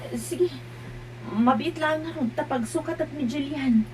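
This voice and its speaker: A woman voicing a firm young mother who speaks in a fairly high voice and states her mind insistently. The voice sits well back from the microphone, and a loud steady hum runs underneath. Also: unhurried. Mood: gentle. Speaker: mother in an audio drama. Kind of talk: amateur drama acting. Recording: distant mic with loud hum.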